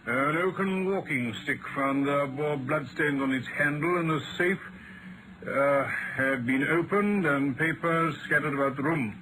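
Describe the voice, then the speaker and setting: Detective's loyal companion: English, measured, emphatic, raised pitch, golden-age radio acting on a noisy recording. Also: male voice, sharp tone. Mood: measured, grave. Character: dutiful gentleman companion of a detective. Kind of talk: 1940s-style radio acting.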